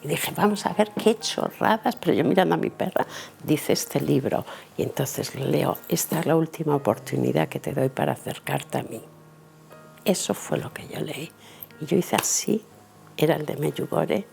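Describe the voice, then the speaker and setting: A woman's voice: sits low, moderate pace, creaky, darkish tone. A middle-aged woman tells a personal faith story, acting out the dialogue vividly. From Italy and Spain. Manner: vivid, acts out dialogue and inner thoughts. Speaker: interviewee giving a faith testimony.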